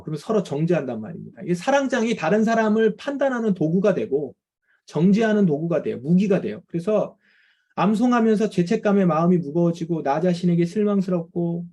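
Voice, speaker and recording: Pastor, male, middle-aged; mellow, husky voice; casual lecture-sermon that slips into acted quotes. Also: high-pitched, lively intonation, a little fast. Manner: conversational, acts out quoted complaints of tired parents. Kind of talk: lecture-style sermon to parents.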